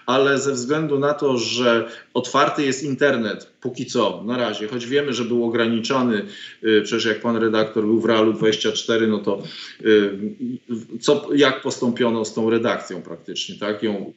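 A man's voice: medium pitch, fairly even intonation, moderate pace. Middle-aged male guest, hesitant and indignant, full of ums, roomy dull webcam sound. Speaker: guest commentator, professor. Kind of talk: political interview over video call. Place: home study with bookshelves. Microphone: video call webcam. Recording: roomy, dull lo-fi call audio.

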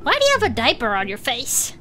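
Woman playing an excitable protective brawler, high, swooping voice, earnest, blunt, tabletop audio drama. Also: fast, slight background noise, heavily acted. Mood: puzzled, protective.

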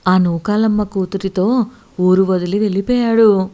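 A woman's voice: medium pitch, fairly even intonation, measured pace, close to an everyday voice. Woman voicing an enraged proud village father. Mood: furious. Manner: shouting, scolding, commanding. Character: stern proud middle-aged village father, furious.

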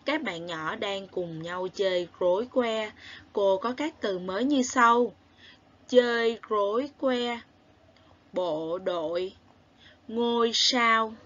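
Slow, gentle woman teacher with a southern Vietnamese accent. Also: mid-range voice, lo-fi sound. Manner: clear, drawn-out spelling aloud, gentle questions and praise. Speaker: primary school teacher. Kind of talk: slow recorded lesson for young children.

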